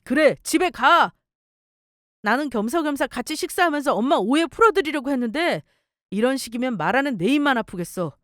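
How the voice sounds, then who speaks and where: A frustrated young husband argues back at his mother, defensive and exasperated, as a woman reading a story radio drama puts him on. The voice is lively in its pitch. The sound is dry and close to the mic. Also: fairly quick, no room sound.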